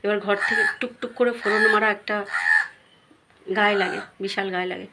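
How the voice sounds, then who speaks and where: Woman, confessional vlog, aggrieved, repetitive, even mid pitch, very noisy recording. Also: moderate pace. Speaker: vlogger. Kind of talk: confessional vlog talk to viewers.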